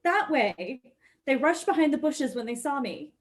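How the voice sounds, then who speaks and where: Distraught young woman, high-pitched and pleading, played by an actress in a dramatic script read. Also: sing-song, moderate pace. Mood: shaken, urgent.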